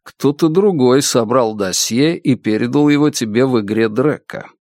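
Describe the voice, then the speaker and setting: A blunt, unsmiling detective who presses calmly and without mercy, read by a male narrator. His voice stays level and even. The sound is dry and close. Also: medium pitch, moderate pace, dry recording, lightly acted.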